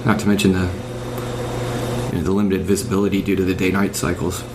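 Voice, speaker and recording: Male panelist, very low voice, measured and halting, clearly noisy home recording. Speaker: podcast panelist. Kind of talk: casual analytical discussion. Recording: noisy hobby podcast with steady hum.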